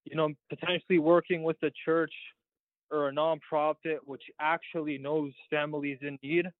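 A man's voice: fairly high pitch, level tone, normal speed, no room sound. Teen male student guest, phoned in, eager rambling explainer, thin phone sound, dry. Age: teens. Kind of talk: phone-in radio interview. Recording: tinny phone line.

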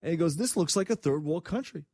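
Lively man hosting a sports talk show. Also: fairly high pitch, fast talker, breathy edge, no echo, studio quality. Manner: animated, acts out quoted voices. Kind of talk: casual chat.

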